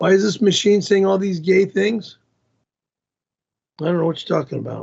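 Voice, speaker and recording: The man's pace is moderate. His pitch sits high. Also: fairly even intonation. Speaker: live stream comedy host. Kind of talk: live stream chat. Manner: loud, yelling.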